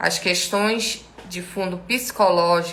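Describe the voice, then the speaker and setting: A woman speaks at a very slow pace in a fairly low pitch, with monotone, flat intonation. Audible room echo surrounds her voice. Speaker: speech therapist. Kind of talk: live stream Q&A. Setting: live stream.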